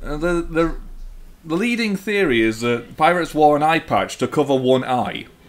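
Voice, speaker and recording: A man talks with lively intonation at a moderate speed, using a normal speaking voice. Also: fairly high pitch for a man. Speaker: film commentary co-host. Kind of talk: casual chat. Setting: watching a film together.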